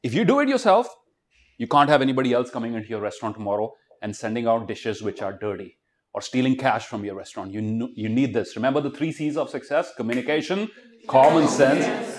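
A middle-aged man with an Indian accent giving students a motivational talk, emphatic and exhorting, often firing questions at them. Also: medium pitch. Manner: emphatic, exhorting, fires rhetorical questions at the audience. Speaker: motivational speaker.

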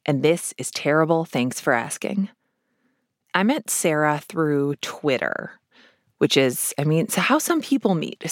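A woman's voice: low-pitched, no room sound, clean studio sound. A woman hosting a podcast, narrating in a wry, playful scripted style with joking asides. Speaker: podcast host.

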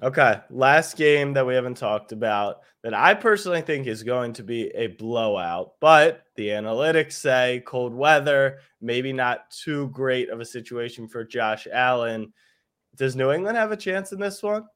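Brisk man hosting a sports chat. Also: mid-range voice, animated, fairly bright tone. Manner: brisk, asks questions, teasing. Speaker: podcast host. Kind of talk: casual sports talk.

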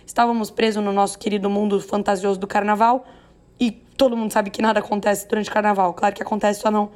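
A hoarse, raspy-voiced woman with a Brazilian accent, hosting a news podcast in a chatty, playful way with self-deprecating asides. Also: medium pitch, little pitch movement, quick pace, darkish tone. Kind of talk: chatty, conversational news narration.

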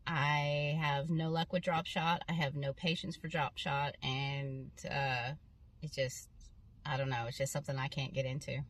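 A woman's voice: low-pitched, level tone, a little slow, far from the mic. A woman from Maine giving plain, matter-of-fact answers about herself. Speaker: interviewed angler. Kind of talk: personal profile answers.

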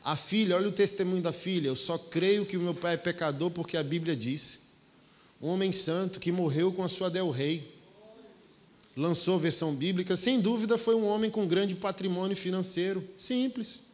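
A man's voice: high voice, normal speed. A middle-aged man from Brazil preaching a sermon in a folksy, emphatic way, acting out bits of dialogue. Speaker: pastor. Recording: long hall reverb.

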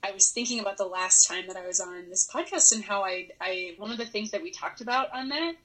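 A young adult woman, a returning podcast guest, who thinks aloud in a reflective, conversational way, with restarts and soft laughs. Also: medium pitch, a little fast, rough recording.

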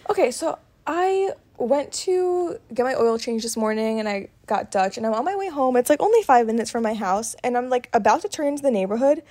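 A woman in her twenties, co-hosting a podcast, telling stories in a chatty, animated way with plenty of "like". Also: a little high, a little fast, few pauses. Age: 20s. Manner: chatty, animated storytelling full of "like". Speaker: podcast co-host. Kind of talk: casual chat.

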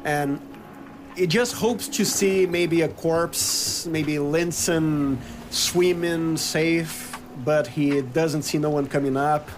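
A man improvising his character's story as a player in a tabletop role-playing game, halting as he searches for words. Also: fairly high pitch, fairly even intonation. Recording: clear background noise.

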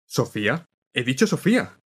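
Brief: actor as a grumbling city hall clerk trading barbs, mid-pitched voice. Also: male voice, sing-song, normal speed, breathy edge. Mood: bantering. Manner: grumbling, bantering. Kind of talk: radio drama acting.

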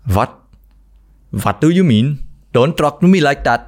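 A man's voice: medium pitch, animated, measured pace, voice pushed up, lightly acted. A man voicing a touchy Indian man with an imitated Indian English accent, indignant and defensive.

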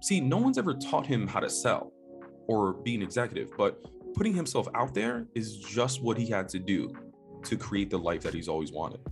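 A man hosting a podcast, upbeat and energetic, chatting in slangy, casual speech and greeting listeners in Spanish. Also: low voice, vocal fry. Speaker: podcast host. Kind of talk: casual podcast intro and interview.

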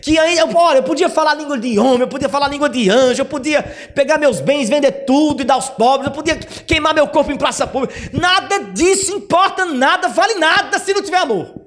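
A man's voice: extremely high pitch, a little fast, fairly bright tone, pitched above the performer's own voice. A man voicing an indignant apostle who scolds a quarrelsome church in an exasperated rant.

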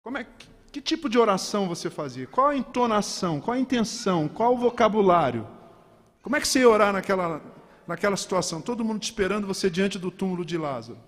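Male preacher, animated sermon delivery, higher-pitched, long hall reverb. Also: fast. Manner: animated, rhetorical questions to the congregation.

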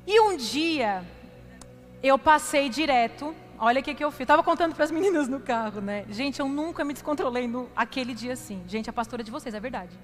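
Preaching a little fast in a church hall, a high-pitched woman pastor delivers a sermon built on personal storytelling, her voice ringing with a long reverb over faint music. She's animated and confessional, poking fun at herself and repeatedly addressing the congregation directly.

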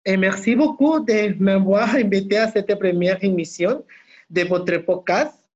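Male guest, slow and halting, dull lo-fi line. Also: high-pitched, a little mellow. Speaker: podcast guest.

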